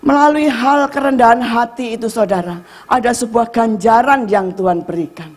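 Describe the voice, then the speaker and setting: A woman's voice: fairly high pitch, moderate pace. Middle-aged woman preaching. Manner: emotional storytelling, dips into Javanese dialect. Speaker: pastor. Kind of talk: sermon.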